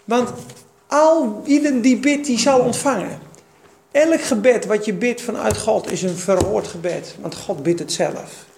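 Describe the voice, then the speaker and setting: A man with a high, gravelly voice teaches the Bible to a gathered group in an easy, conversational way. He quotes verses and tells stories, restarting sentences and filling pauses as he goes. The recording is echoey, with faint background hiss. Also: darkish tone. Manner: conversational, quotes scripture, many fillers and restarts. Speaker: preacher. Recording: echoey room with faint noise.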